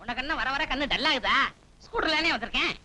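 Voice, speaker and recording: An actor playing a muddled, forgetful young college student in a film comedy, bickering in a bewildered way. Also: male voice, very high voice, lively intonation, fast, bright, forceful tone, exaggerated voice. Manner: bewildered, bickering comic delivery. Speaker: comic lead in a film.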